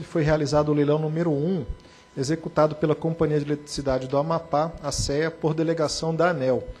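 Brazilian man, formal report reading, somewhat high, slightly husky. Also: darkish tone. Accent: Brazilian Portuguese. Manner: measured and formal, with short spoken asides. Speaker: reporting director at a regulatory board.

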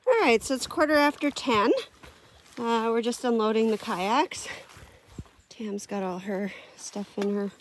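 A woman's voice: on the high side, measured pace, a little hiss or hum. A woman giving a casual, chatty camping vlog tour outdoors, with easy laughs and lots of fillers. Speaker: camping vlogger. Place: outdoors at a lakeside forest campsite.

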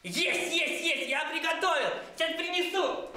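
Distant and very echoey, an agreeable childlike clown with an extremely high, bright voice. The little clown chimes in eagerly with short, repeated phrases for a young TV audience. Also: male voice, measured pace, a little hiss or hum, heavily acted. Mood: excited. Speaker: children's show host. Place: indoor children's TV studio set. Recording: echoey studio, distant microphone.

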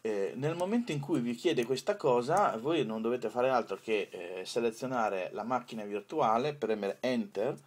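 A man presenting an informal software tutorial, improvising hesitantly with drawn-out pauses. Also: medium pitch, slight background noise.

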